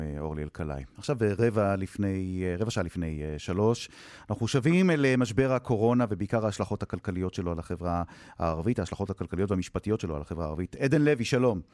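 A radio news host with a lowish voice presses his guest with questions and links segments, pausing often with fillers. The studio sound is dry and close. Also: a little mellow, dry recording. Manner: probing, many hesitation fillers. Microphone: studio microphone.

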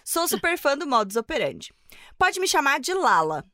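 A woman co-hosting a podcast, excitable and nervously giggly, chatting and reading a listener's story aloud. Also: high-pitched, moderate pace, dry recording, clean studio sound. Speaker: podcast guest co-host.

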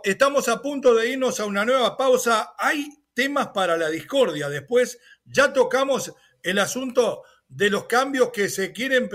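A man's voice: high voice, fairly bright tone. A man with a Uruguayan accent hosting casual sports talk on the radio, conversational and familiar with his colleagues.

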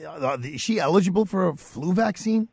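A man's voice: high voice, animated, moderate pace, no room sound. A middle-aged man, hosting a radio show in casual, loose, familiar talk, a little under the weather. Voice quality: raspy. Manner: warm, familiar, loose with fillers. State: slightly sore throat. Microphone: studio microphone.

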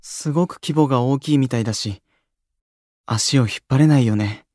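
A man's voice: medium pitch, moderate pace, a little mellow, no room sound, studio quality, lightly acted. A man acting a timid, overly cautious young idol in an audio drama, hesitant and polite. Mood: anxious.

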